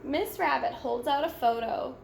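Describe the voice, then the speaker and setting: A woman reading a children's storybook aloud in a deliberate, simple way for young listeners. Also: high-pitched, creaky, a little mellow. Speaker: storybook read-aloud reader. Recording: echoey room with faint background noise.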